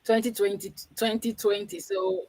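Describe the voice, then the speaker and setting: A woman's voice: medium pitch, flat delivery, moderate pace, a little mellow, low-quality recording. A woman hosting a live talk show, speaking in an upbeat, effusive way. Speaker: host.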